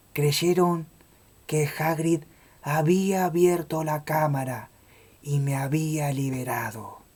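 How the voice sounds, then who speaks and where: Hoarse and pitched in the middle, this put-on character voice moves at a very slow pace with long, frequent pauses. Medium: read story. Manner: slow, deliberate.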